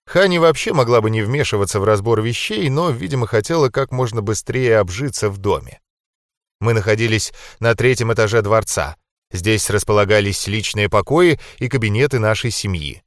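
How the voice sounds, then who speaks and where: A man reading a first-person audiobook in a calm, measured way. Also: fairly low pitch, no room sound, studio quality. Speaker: audiobook narrator.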